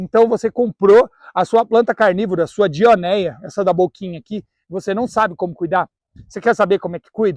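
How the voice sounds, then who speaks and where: A man talks quietly in an animated tone at a moderate pace. His pitch is high, with ordinary pitch variation. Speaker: YouTuber teaching carnivorous plant care. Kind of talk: tutorial. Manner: normally loud, speaking quieter on purpose.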